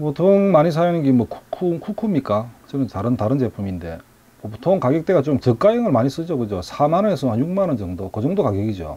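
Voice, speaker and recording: This man has a dark, mellow tone and sounds somewhat breathy. He talks at a fairly quick pace with very wide pitch swings. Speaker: scale model hobby tutor. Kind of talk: tutorial. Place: home room.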